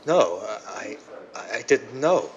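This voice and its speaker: A man playing a smooth but nervous crooked businessman in a 1930s style radio drama. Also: mid-range voice, very animated, takes it slowly, slight background noise. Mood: flustered panic. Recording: dull band-limited vintage-style radio sound.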